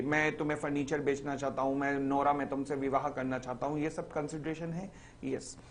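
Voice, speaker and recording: A man teaching a recorded exam-revision lecture, acting out little stories and reading definitions slowly, word by word. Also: on the high side, a little hiss or hum. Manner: lively, acts out little stories in the examples.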